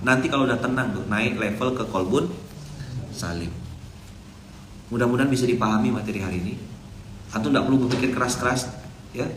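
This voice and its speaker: An Indonesian ustadz gives a casual, chatty sermon, telling stories and acting out dialogue. His voice is on the low side and a bit bright, recorded in an echoey room with faint ambience and a little hiss or hum.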